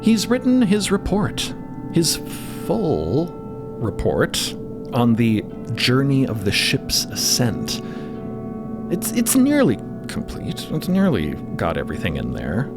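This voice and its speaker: Male story narrator, theatrical and playful, highly animated intonation, unhurried, prominent music bed. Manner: dramatic, playful. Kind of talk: theatrical scripted narration with casual asides. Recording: loud music bed under voice. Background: loud music.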